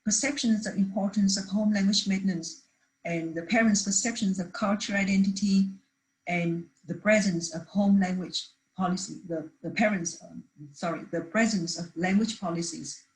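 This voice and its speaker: A woman's voice: medium pitch, fairly even intonation, moderate pace, low-quality recording. A woman presenting a research paper at a conference, reading steadily from prepared slides with the odd restart.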